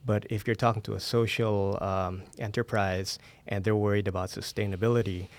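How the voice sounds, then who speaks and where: Gravelly, low-pitched man in casual conversation. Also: level tone, normal speed, no echo. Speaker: interview guest, startup co-founder. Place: studio.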